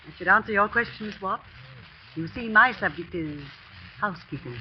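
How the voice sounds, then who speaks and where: A woman's voice: mid-range voice, expressive, normal speed, a little hiss or hum, lightly acted. An actress playing an older woman, a school housekeeper who hesitantly confides gossip, in a 1940s radio drama. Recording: muffled 1940s radio broadcast.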